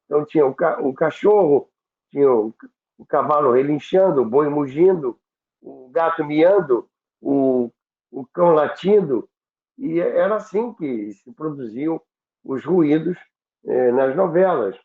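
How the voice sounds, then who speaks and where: A Brazilian man with a fairly high voice explains things in an informal interview. He stumbles over repeats and throws in rhetorical questions. The sound is thin like a phone call, with plenty of room echo. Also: animated. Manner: halting, repeats words, asks rhetorical questions. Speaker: interview guest on radio history.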